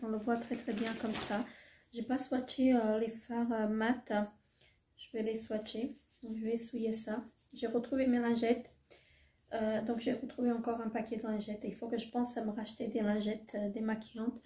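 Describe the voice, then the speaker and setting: A woman's voice: fairly high pitch, dark tone, roomy sound. A woman showing makeup palettes in a casual haul video, gushing and hesitant, with many fillers. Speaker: beauty vlogger.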